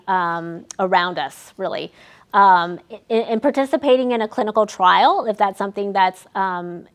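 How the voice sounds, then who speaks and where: A young adult woman, a research staff member, gives an educational talk to older adults, explaining with frequent ums and restarts. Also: medium pitch. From United States. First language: Vietnamese.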